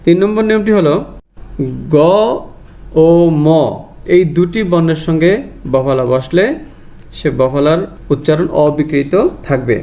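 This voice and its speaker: A man with a Bangladeshi Bengali accent teaching a grammar lesson to students, going through each rule methodically and repeating it slowly. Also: fairly high pitch, darkish tone.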